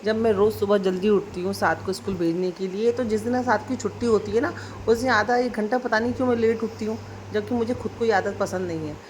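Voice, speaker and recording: A woman from India chatting in a casual daily vlog, warmly addressing her viewers as friends. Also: medium pitch, fairly even intonation, fast, slight background noise. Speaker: vlogger.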